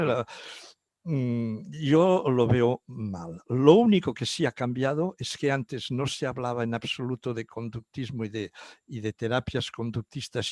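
A man's voice: medium pitch, a little mellow, dry recording. Older Catalan-native man, dry close sound. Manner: hesitant, many fillers and restarts. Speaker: guest psychologist. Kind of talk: interview answers.

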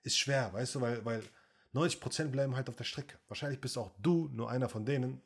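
A blunt men's coach talks straight at the listener in a confrontational lecture. His mid-pitched voice is husky and a little breathy. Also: a little fast. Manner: mocks the listener in a whiny voice. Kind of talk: confrontational motivational monologue.

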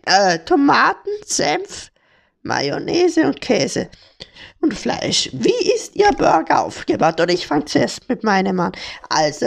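Podcast host: young woman, playful and jokey, high voice with heavy vocal fry. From Hamburg. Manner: playful, joking, slang-heavy. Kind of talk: casual chat.

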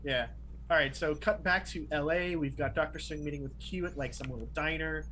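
A man's voice: fairly high pitch, fairly quick, bright, forceful tone. A man co-hosting a podcast in casual chat, talkative with frequent fillers like "like" and "right?". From Miami, family from Peru. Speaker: podcast co-host. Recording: faint background noise.

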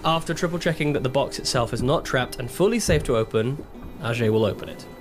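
A man's voice: medium pitch, fast. A man playing a tabletop roleplaying game, thoughtfully talking through what his character knows and does. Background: music.

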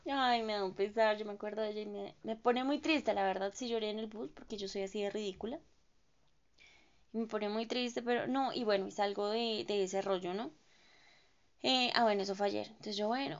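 Young colombian woman, chatty and emphatic, mid-pitched voice, dull lo-fi recording. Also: a little mellow. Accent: Colombian Spanish. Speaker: home-care therapist and aspiring streamer. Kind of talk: casual storytelling vlog.

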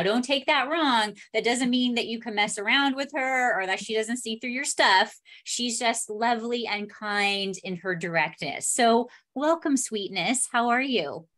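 Female podcast host, American, mid-pitched, informal and chatty, therapist interviewing a guest. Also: fairly bright tone. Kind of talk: casual interview hosting.

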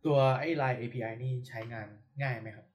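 A man's voice: mid-range voice, steady tone, fairly quick. A man hosting a casual tech podcast, asking short curious questions.

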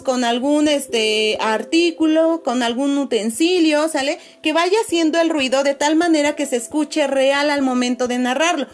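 A woman teacher, talking patiently to her pupils on a video call and filling pauses with "este". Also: high-pitched. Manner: patient, many fillers, calls pupils "chicos" and "corazones". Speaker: schoolteacher. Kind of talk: online class video call.

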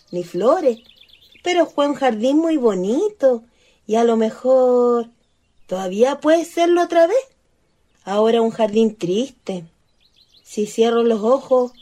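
A woman's voice: high-pitched, dark tone. A woman acting a guileless, eager Chilean country ghost in a radio play. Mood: wistful.

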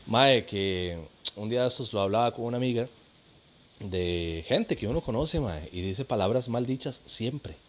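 A man's voice: medium pitch, expressive, moderate pace, dull audio. A Costa Rican man in his thirties, a comedian telling funny stories in a chatty, slangy monologue with laughs. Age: 30s. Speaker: comedian and podcast host. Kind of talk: casual storytelling monologue.

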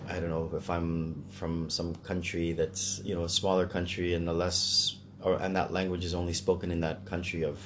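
A man's voice: deep voice, level tone, normal speed, few pauses, noisy background. A Canadian man talking casually in a discussion, hesitant as he thinks aloud.

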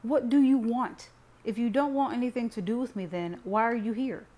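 A woman's voice: fairly low pitch, normal speed, close to an everyday voice. A bitter young man, voiced by a woman narrator, talks in a curt, defensive snarl. He is a hot-tempered audiobook hero with little patience. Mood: furious. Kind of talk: audiobook character reading.

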